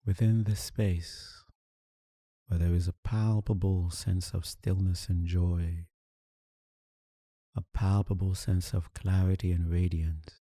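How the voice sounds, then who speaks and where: A man leading a guided meditation, calm and soothing, speaking in deliberate short phrases with long pauses. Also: low-pitched, no echo, clean studio sound. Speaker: meditation teacher.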